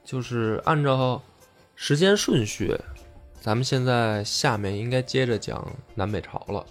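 A man hosting a casual history podcast, explaining deliberately and often rephrasing himself. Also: mid-range voice, faint music behind. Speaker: podcast host.

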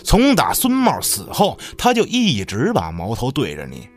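A man's voice: medium pitch, wildly swooping pitch. An actor playing a big, burly, calculating man in a radio drama, mocking and menacing as he talks. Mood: sneering, menacing. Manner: mocking, deliberate, swearing.

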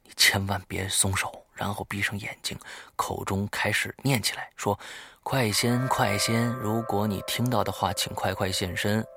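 A man voicing a seventh-grade schoolboy who gives hushed, eerie warnings during a ghost-summoning game. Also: fairly low pitch, steady tone, moderate pace, creaky, soft background music. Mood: urgent.

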